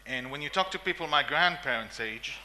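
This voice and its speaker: Poor audio captures this forties-aged conference speaker with an Israeli accent as he talks emphatically in a meeting room. He's brisk, with a mid-range voice, lively intonation and a sharp tone, and he keeps repeating lists, coughing and using fillers.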